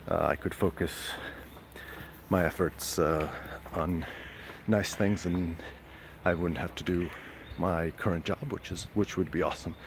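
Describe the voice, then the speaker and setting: A very low-pitched man chats casually with his live-stream viewers. He talks slowly and haltingly, stopping often for fillers and restarts. Faint ambient sound sits behind him. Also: noisy background. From Serbia.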